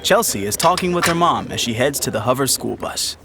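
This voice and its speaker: A man's voice: mid-range voice, lively intonation, a little fast, heavy background noise. A man narrating a scripted audio fiction drama.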